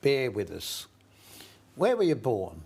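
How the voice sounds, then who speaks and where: An older man with a mid-pitched voice hosts an interview. He keeps it conversational, bantering and joking dryly with his guest. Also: wildly swooping pitch, slow pace, vocal fry, a little mellow, slightly rough. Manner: jokey, bantering, dry humour. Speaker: interview host.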